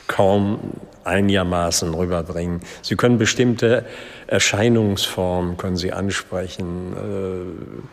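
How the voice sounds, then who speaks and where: A man answering an interview question in a thoughtful, explanatory way, pausing with fillers. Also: lowish voice, in a large hall.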